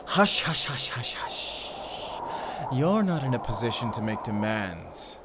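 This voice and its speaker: Fantasy audio-drama villain: menacing, mocking, very unhurried and highly animated, with clear background noise. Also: male voice. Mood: threatening. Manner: menacing, drawn-out, mocking delivery with villainous chuckles. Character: gloating, theatrical male fantasy villain brought to life.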